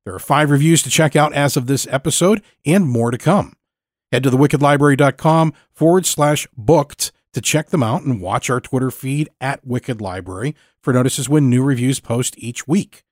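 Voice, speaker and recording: A man's voice: medium pitch, normal speed, dry recording, clean studio sound. A man hosting a podcast, reading a scripted introduction. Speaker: podcast host.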